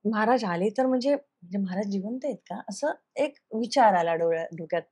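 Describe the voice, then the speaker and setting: An earnest woman recounts a personal story for an interviewer, her voice sitting at a middle pitch. She acts out the lines other people spoke to her and slips English phrases into her speech. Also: animated, brisk, darkish tone, slightly rough. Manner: earnest, recounts events by acting out quoted dialogue. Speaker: television actress, interview guest.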